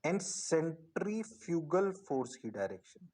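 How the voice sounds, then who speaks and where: A man teaching physics in an online class, energetic and coaxing, repeating prompts to his students. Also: on the high side, a little slow, echoey room.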